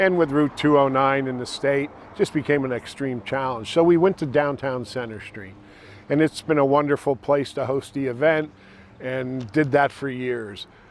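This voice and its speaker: A man's plain, everyday voice, fairly high in pitch, at a moderate pace with ordinary pitch variation. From Pottsville, Pennsylvania. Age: 60s. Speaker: car show organizer, city councilman. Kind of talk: casual interview.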